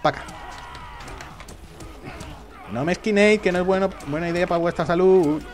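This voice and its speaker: A man's voice: sits high, fast, a little hiss or hum. A man giving live, jokey commentary on a shooter game and taunting the enemies. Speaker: gameplay commentator.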